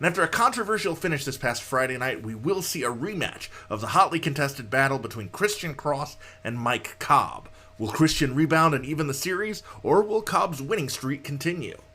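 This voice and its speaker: A man speaks in a normal speaking voice, pitched fairly high for a man. His pace is fairly quick and his intonation lively. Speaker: wrestling ring announcer. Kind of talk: sports event preview to camera. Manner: upbeat, hyped.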